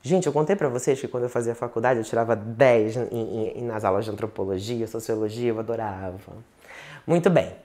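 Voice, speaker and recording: A man's voice: mid-range voice, fairly even intonation, brisk, warm tone. Chatty Manaus-accented man teaching. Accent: Manaus Portuguese. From Manaus, Brazil. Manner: chatty and digressive, with frequent restarts and tag questions. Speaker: tarot teacher. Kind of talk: casual online lecture. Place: home, indoors.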